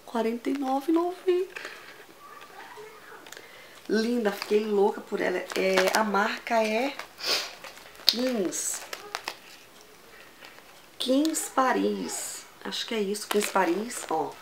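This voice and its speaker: A Brazilian woman vlogging a casual shopping haul, gushing and excitable, repeating words as she shows each item. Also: fairly high pitch, slow pace, pauses often, noisy background. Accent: Brazilian Portuguese. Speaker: fashion vlogger.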